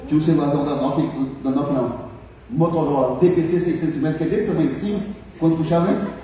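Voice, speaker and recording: A man's voice: a little high, quick pace, dark tone, a little hiss or hum. A Brazilian man preaching a sermon as pastor, colloquial and joking, building to emphatic exhortation. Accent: Brazilian Portuguese. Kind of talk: sermon with personal testimony. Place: church hall. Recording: echoey church hall from far off.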